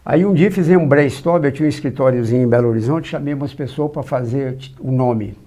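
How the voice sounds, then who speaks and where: A man's voice: medium pitch, fast. An older man, a journalist from Minas Gerais with its regional accent, telling stories as an interview guest and acting out the dialogue he quotes. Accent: Minas Gerais Brazilian Portuguese. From São João del Rei, Minas Gerais, Brazil. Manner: lively raconteur, acts out quoted dialogue. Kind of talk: anecdotal storytelling.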